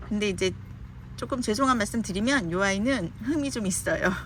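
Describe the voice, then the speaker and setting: A woman speaks at a moderate pace with an unremarkable speaking voice. Her pitch sits in the middle range, and her intonation is lively. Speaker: online pot seller. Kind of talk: sales pitch.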